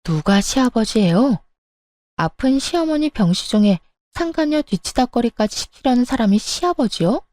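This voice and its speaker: A woman's voice: fairly high pitch, animated, moderate pace, a little mellow, no room sound, clean studio sound. A woman narrating a dramatic family story in the first person, emphatic and indignant.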